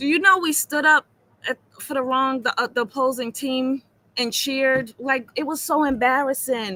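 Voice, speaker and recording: A woman with an American accent projects a raised, high voice with a bright, sharp tone, ordinary pitch variation and a moderate pace, in a dry, close sound with no echo. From Boston, Massachusetts. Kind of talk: casual chat. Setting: live stream.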